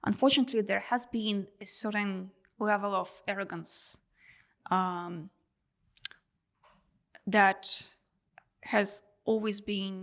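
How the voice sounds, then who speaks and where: A woman whose first language is Russian, an editor answering audience questions at a press event in a measured, thoughtful way with frequent pauses. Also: medium pitch, vocal fry, fairly bright tone. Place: press club event room.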